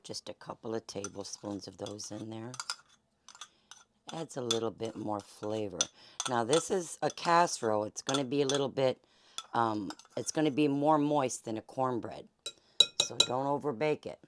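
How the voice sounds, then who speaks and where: A woman host with a Southern accent and a hoarse, fading voice, chatting folksily through a home cooking demonstration. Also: rumbling low, moderate pace, heavy background noise. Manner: chatty, folksy, many fillers. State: hoarse, losing her voice. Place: home kitchen.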